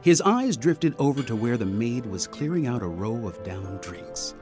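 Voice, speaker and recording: Guy doing dramatic mystery narration for a radio play, arch, lively, music under it. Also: mid-range voice, normal speed, close to an everyday voice. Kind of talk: scripted audio drama narration.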